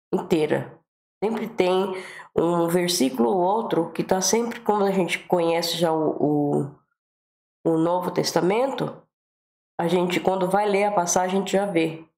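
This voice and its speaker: Over audible room echo, a woman speaks fairly slowly at a fairly low pitch, with long, frequent pauses, ordinary pitch variation and very even loudness. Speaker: bible reading channel host. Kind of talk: bible reading with commentary. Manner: casual, conversational.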